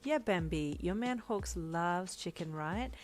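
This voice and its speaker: A woman's voice: lowish voice, animated, slow. A woman voicing a flamboyant, sassy gay man in a story, with theatrical, exclamatory gushing and camp endearments. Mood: sassy, doting.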